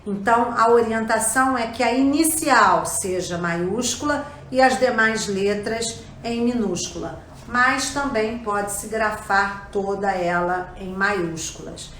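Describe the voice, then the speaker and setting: Slow, didactic Brazilian woman teacher. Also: medium pitch, fairly bright tone, a little hiss or hum. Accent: Brazilian Portuguese. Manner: didactic, often checks in with the listener. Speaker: language teacher. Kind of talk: explanatory lesson. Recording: echoey room.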